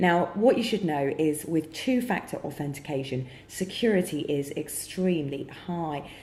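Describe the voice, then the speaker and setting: In a British accent, the speaker has a dark, mellow, somewhat breathy tone, a fairly slow pace and lively intonation. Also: woman. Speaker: product reviewer. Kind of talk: screen-recorded tutorial walkthrough.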